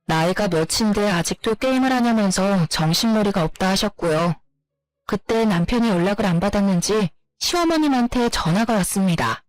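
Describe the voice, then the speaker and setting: A woman telling a first-person story at a middle pitch, with plain, steady delivery and a complaining tone. Her voice is recorded dry and close, with no room echo. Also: normal speed. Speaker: narrator.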